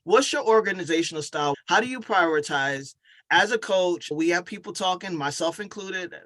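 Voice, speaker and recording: A woman's voice: fairly low pitch, expressive, moderate pace, a bit bright, no echo. An American woman hosting a casual interview like a coach, emphatic and affirming as she talks and asks questions.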